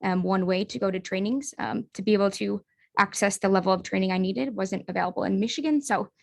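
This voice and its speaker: This is a young woman from the United States presenting in an online webinar. Her mid-pitched voice has heavy vocal fry. She moves briskly and in a friendly way, with filler words, heard through a video-call mic.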